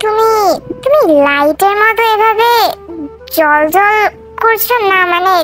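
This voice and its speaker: A woman performs a put-on character voice. Clear music plays in the background. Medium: read story. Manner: brusque, bossy.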